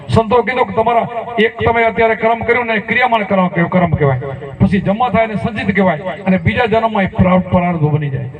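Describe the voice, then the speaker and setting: A man preaches a devotional sermon, spinning folksy stories and tossing rhetorical questions to his listeners. His voice sits high for a man. The sound is thin and phone-like, picked up from some distance off the mic. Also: in a large hall. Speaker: spiritual teacher.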